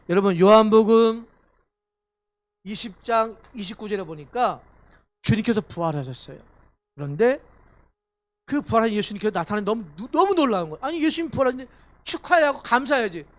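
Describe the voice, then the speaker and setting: A male pastor preaching a Sunday sermon, reading scripture aloud and asking the congregation questions. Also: sits high. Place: church sanctuary.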